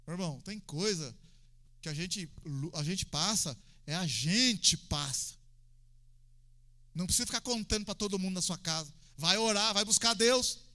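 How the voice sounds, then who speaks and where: A man with a Brazilian Portuguese accent preaching an evangelical sermon in a colloquial, conversational way, acting out prayers with sudden loud, high shouts. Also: animated, moderate pace. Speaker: pastor.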